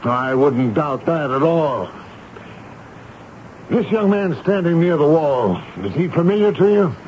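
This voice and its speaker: An actor playing a stern, sardonic army major who interrogates and narrates in a formal, commanding way in a radio drama. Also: male voice, fairly high pitch, very animated, measured pace, slight background noise. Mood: dry, sardonic. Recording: dull radio broadcast recording, loud music behind.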